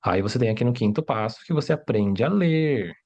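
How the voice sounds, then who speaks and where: A man's voice: mid-range voice, animated, a little fast, darkish tone, lo-fi sound. A man who learned Portuguese as a second language, teaching Mandarin in a livestream lesson, explaining step by step and checking in with "né?" and "tá?". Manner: explanatory, rhetorical questions, frequent "né?" and "tá?".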